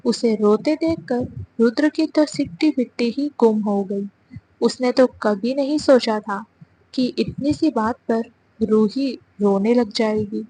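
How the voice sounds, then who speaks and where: A woman's voice: a little high, warm tone, breathy edge, low-quality recording. Woman narrating a romance audio story.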